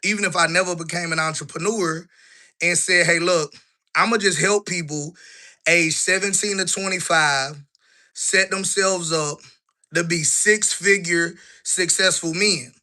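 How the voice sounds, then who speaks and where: Guy in his 30s walking thru his offices, kinda out of breath, high bright voice, keeps going "right?". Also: measured pace. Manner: conversational, asks rhetorical "right?" often; colloquial, relaxed grammar. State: a bit out of breath while walking. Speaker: business vlogger. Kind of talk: casual walking vlog. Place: indoors, walking through his office building.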